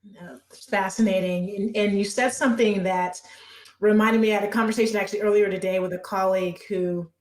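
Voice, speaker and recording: A woman's voice: medium pitch, a little mellow, echoey room. A woman hosting a podcast, chatting in an upbeat way and building on her guest's points with everyday examples. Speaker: podcast host. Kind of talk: casual interview chat.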